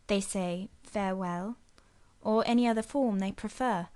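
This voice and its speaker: A young governess, courteous and restrained yet quietly firm, as a woman reads her. Her voice sits at an ordinary female pitch. She sounds like a figure from a period storybook drama. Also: a little slow, lightly acted.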